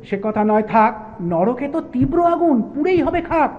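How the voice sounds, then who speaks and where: A man's voice: extremely high pitch, animated, a little slow, lo-fi sound, pitched above the performer's own voice. A man doing a preachy younger poet. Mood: lecturing. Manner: lecturing, patient. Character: calm, preachy younger male poet advising his elder.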